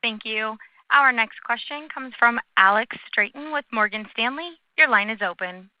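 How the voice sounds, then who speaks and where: A woman's voice: fairly high pitch, normal speed. A woman working as a conference call operator, formally announcing who speaks next. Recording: muffled conference phone line.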